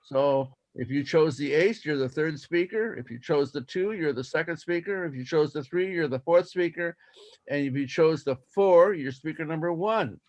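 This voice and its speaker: A man acting as toastmaster of a speech contest, explaining rules methodically and repeating himself deliberately. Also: fairly high pitch, poor audio.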